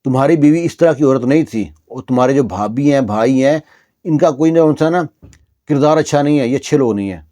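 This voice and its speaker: A man's voice: medium pitch, dark tone, lightly acted. A man voicing male friends who earnestly reproach and advise him. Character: concerned male friends giving advice.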